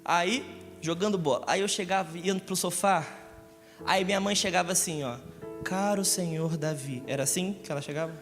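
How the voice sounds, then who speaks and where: A man's voice: sits high, brisk, a bit bright. A man from Rio, preaching a live Sunday sermon, joking and asking his congregation questions. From Rio de Janeiro, Brazil. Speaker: pastor. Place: church service in a large hall. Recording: echoey church hall with music.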